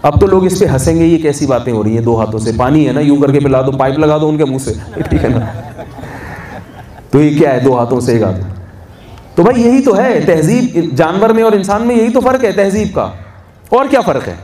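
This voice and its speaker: A man's voice: on the high side, expressive, warm tone. A man giving a sermon to a gathering, asking his listeners questions and answering them himself. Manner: conversational, asks the audience questions and answers them. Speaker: religious scholar. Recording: echoey hall from a distance, faint noise.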